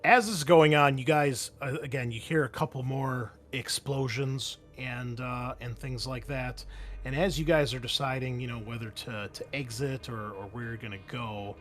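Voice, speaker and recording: A man working as game master, narrating a tabletop roleplaying game in a halting, conversational way. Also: mid-range voice, fairly even intonation, fairly bright tone.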